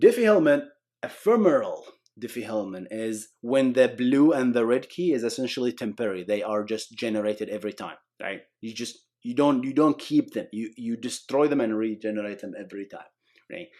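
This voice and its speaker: Delivered at a fairly quick pace, a man's voice has lively intonation and a dark, mellow tone. He speaks with a non-native accent. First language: not English. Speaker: tech educator. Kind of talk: tutorial. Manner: animated; casual.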